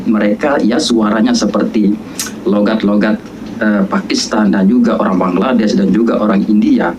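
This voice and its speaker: A man's voice: on the low side, background noise. A man with an Indonesian accent giving casual video commentary, chatty and speaking straight to his viewers. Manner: chatty, addresses viewers as "geng".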